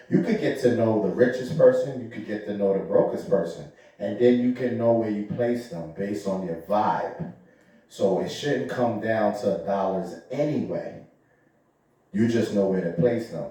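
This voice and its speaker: Man, 40s, podcast co-host, deep dark tone, joking and probing, very echoey room. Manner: joking, opinionated, asks probing questions. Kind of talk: casual chat. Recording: very echoey room, far from the mic.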